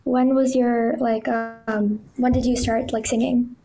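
A woman's voice: on the high side, level tone, a little slow, mellow. A woman asking a guest questions over a video call, hesitant and full of "like" fillers.

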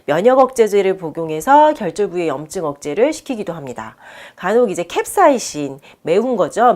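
A woman doctor giving an explanatory medical talk in an instructive manner, stressing key terms. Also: mid-range voice. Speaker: doctor presenting a health video column. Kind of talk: explanatory medical lecture to camera.

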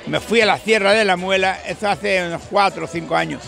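A man's voice: sits high, brisk, vocal fry, fairly bright tone. An older man with an Andalusian accent, chatting in a rambling, folksy, emphatic way in an outdoor interview at night. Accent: Andalusian Spanish. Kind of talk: casual chat. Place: beach bar terrace at night, outdoors. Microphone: handheld mic held by interviewer. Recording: music and crowd faintly behind.

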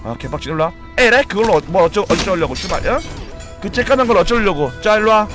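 A man's voice: sits high, quick pace. Hyped guy streaming a game, cursing n joking, game music going in the back. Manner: excitable, swears a lot, jokey. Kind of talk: live gameplay commentary.

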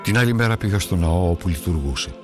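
A man's voice: low-pitched, expressive, over loud music. An actor narrating as a devout early-Christian man who tells, in earnest first person, of a crisis of faith and hard times. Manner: earnest, prayerful, brooding. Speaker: documentary narrator.

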